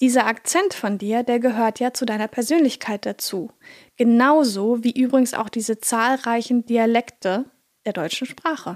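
Fairly high-pitched woman at a moderate pace, a normal speaking voice with ordinary pitch variation. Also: very clean recording, silent background. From Germany. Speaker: podcast coach. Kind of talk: solo podcast advice talk. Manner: casual, with filler words.

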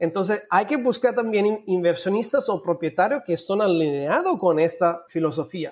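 Lively intonation at a moderate pace, with hardly any pauses, over a quiet background. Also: man, high pitch for a man. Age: 50s. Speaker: hotel entrepreneur. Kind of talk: interview.

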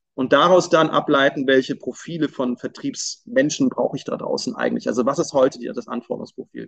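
The speaker moves at a fairly quick pace with hardly any pauses and lively intonation, in a plain, everyday voice. The sound is dry and close, with no echo. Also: man. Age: 40s. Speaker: sales professor. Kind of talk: interview.

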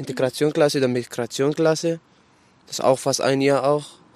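A man's medium-pitched voice in an Arabic accent. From Syria. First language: Arabic (speaking German). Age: 20s. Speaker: refugee and trainee electrician. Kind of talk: interview. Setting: outdoors on a park bench. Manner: halting.

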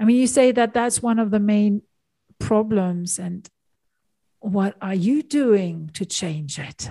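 A woman's somewhat breathy voice with a dark, mellow tone at a medium pitch, lively intonation, a very slow pace and long, frequent pauses, in a dry, close sound with no echo and a quiet background. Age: 50s. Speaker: podcast host, business coach. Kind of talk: interview.

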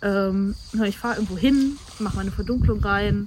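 A woman talks at a moderate pace while noticeable background noise is heard. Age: 20s. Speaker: photographer. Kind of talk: casual chat. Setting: outdoors.

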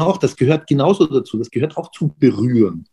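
A somewhat breathy man's voice at medium pitch, dark and mellow in tone, with very wide pitch swings. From Austria, Vienna. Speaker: gallery owner and former magazine editor. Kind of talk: interview. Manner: halting, many fillers.

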